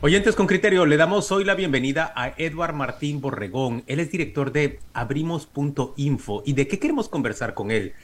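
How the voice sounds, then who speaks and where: A man hosting a radio talk show, introducing his guest in a formal, measured way. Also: a little high, animated, a little hiss or hum. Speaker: radio host.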